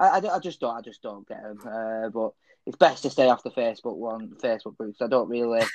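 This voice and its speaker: Heard in a dry, close sound with no echo, a man with a plain, everyday voice and medium pitch talks at a fairly quick pace, with ordinary pitch variation and big swings in loudness. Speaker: football podcast host. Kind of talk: casual chat.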